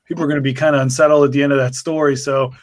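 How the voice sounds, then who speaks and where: A man's voice: mid-range voice, level tone, racing, dry recording, clean studio sound. A man, a writer, rambling in a reflective way about his writing in a casual podcast chat.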